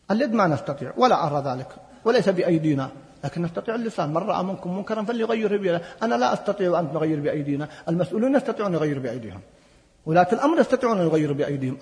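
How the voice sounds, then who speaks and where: A man giving a religious lecture and answering audience questions, speaking emphatically and building to forceful appeals. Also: sits high. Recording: long hall reverb.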